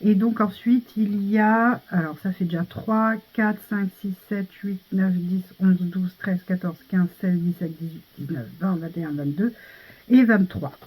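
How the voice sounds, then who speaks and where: A woman's voice: mid-range voice, measured pace, a little mellow, slightly rough. A woman with a French accent chatting casually about her monthly favourites, full of fillers and restarts. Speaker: vlogger reviewing monthly favourites. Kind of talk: casual chat. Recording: tinny phone-like sound.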